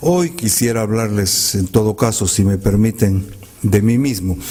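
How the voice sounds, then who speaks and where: A man speaks fairly slowly in a Guatemalan accent. Noticeable background noise is present. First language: K'iche' Maya (speaking Spanish). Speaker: poet. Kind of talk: commented poetry reading. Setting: library hall with audience.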